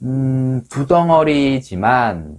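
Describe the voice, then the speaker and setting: A man teaching an English lesson in Korean, patiently drilling short phrases and repeating each one slowly. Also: mid-range voice, very animated, a little mellow.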